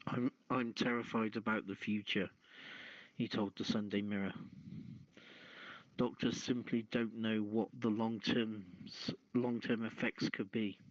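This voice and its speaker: A man hosting a talk show, reading news and chatting with a halting, stumbling delivery. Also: on the low side, flat delivery, no echo. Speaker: host of an online talk show. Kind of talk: reading news aloud and casual chat. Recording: dull, lo-fi audio.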